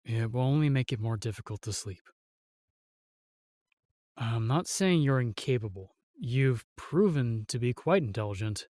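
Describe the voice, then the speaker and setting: A man's voice: mid-range voice, expressive, measured pace, a little mellow, no echo, clean studio sound, close to an everyday voice. An actor playing a protective male knight in a fantasy audio roleplay, formal, courteous and earnest. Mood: gentle, courteous.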